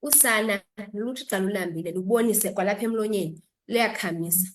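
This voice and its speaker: Woman, South African accent, rapid pace, doctor guest, instructive health explanation, bilingual switching. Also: medium pitch, a little hiss or hum. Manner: instructive, switches between two languages.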